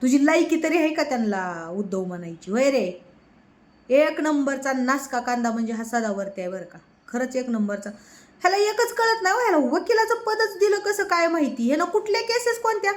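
A woman's voice: high-pitched, animated, fairly quick. A woman delivering a heated, mocking political rant, scolding her target. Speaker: political commentator.

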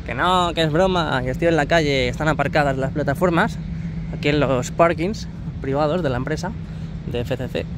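A man's voice: on the high side, normal speed. A man from Spain giving jokey, chatty commentary as he walks outdoors, filming on his phone. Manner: jokey, chatty, broken English with foreigners. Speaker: vlogger. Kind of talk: casual walking commentary. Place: outdoors on a city street. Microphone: phone held by the speaker. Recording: traffic noise outdoors.

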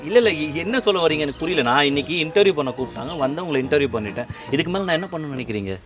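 A man's voice: on the high side, lively intonation, rapid-fire, over loud music. A male TV anchor in a staged comic confrontation outdoors, flustered and exasperated, pleading to be left alone. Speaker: TV anchor, interviewer. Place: outdoors on a road.

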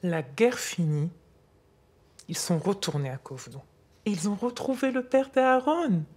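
A woman's voice: medium pitch, lively intonation, a little slow, darkish tone, slightly rough. A woman in her sixties playing a grandmother who patiently explains wartime history to her granddaughter in scripted French dialogue. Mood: earnest. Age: 60s. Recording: faint music behind.

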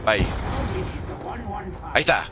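A man's voice: takes it slowly, heavy background noise. A man streaming live gameplay, commenting and joking playfully with chat while using Mexican slang. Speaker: gaming streamer.

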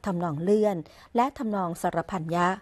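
A woman reading the royal court news in a measured, formal and even voice as a scripted broadcast voice-over. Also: on the low side. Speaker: news reader.

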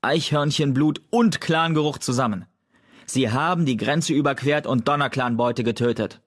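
A man voicing a gruff snarling warrior tomcat. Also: medium pitch, fairly even intonation, moderate pace, close to an everyday voice. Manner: snarling, snappish. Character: gruff male warrior cat.

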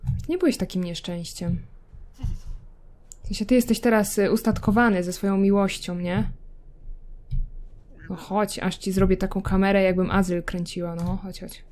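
A woman's voice: medium pitch, fairly even intonation, moderate pace, pauses often, a little mellow. A young woman giving casual gameplay commentary, chatting to her game characters with self-mocking asides. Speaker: gameplay video creator.

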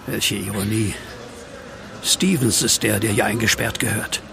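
A man's voice: fairly low pitch, steady tone, unhurried, vocal fry, background noise. An actor playing a bewildered, horrified man on the run in a horror audio drama, dramatic and full of disbelief. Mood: bitter. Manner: incredulous, dramatic, questioning.

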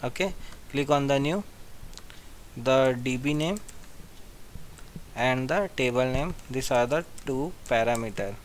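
A man giving a step-by-step software tutorial as an instructor, repeating his phrases as he goes. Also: mid-range voice, a little slow, long pauses, a little hiss or hum. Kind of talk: screen-share software tutorial.

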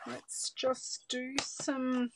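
A woman's voice: high voice, completely flat delivery, drawn-out words, gravelly, very noisy. An Australian woman demonstrating card making, chatting casually and thinking aloud as she works, sometimes dropping to a murmur. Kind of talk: casual crafting livestream chat. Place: craft table indoors, overhead camera on hands.

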